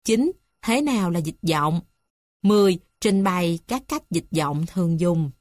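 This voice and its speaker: A woman reading a music theory textbook aloud in a slow, measured, list-like way. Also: on the low side, expressive, darkish tone, no room sound, studio quality. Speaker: textbook reader.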